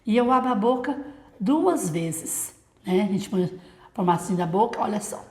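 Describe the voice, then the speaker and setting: A woman's voice: mid-range voice, animated, normal speed, reverberant. A woman literacy teacher with a Brazilian accent, explaining a classroom routine to other teachers and asking rhetorical questions.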